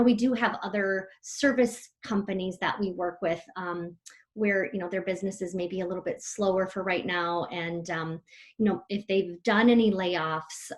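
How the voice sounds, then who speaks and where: A woman speaks at an ordinary mid pitch as an executive guest on a remote interview from home. She sounds friendly and upbeat, talking in long, articulate answers with the occasional filler. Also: steady tone, moderate pace.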